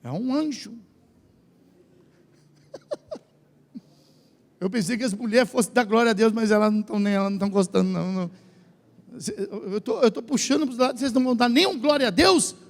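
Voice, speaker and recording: A Brazilian man with a very high, gravelly voice preaches in a lively, animated way, with a Brazilian Portuguese accent. His sermon swings between joking asides and shouted peaks. The sound carries a long reverb from the big church hall. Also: quick pace. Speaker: pastor.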